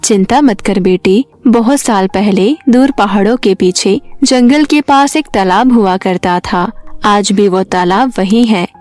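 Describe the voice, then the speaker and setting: A tender mother's spirit from a storybook dream, played by a woman. She speaks gently and consolingly, lower than the tale's other women. Soft music plays behind her. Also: a little slow, lightly acted. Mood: reassuring.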